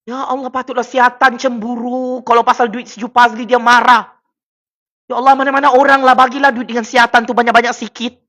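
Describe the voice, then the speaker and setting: A man with a Sabah Malay accent, ranting and taunting as a livestream political commentator on his own mic, with loud exclamatory bursts. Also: very high voice, flat delivery, brisk. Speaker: political commentator streaming to viewers. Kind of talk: mocking livestream rant. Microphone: personal microphone at a desk.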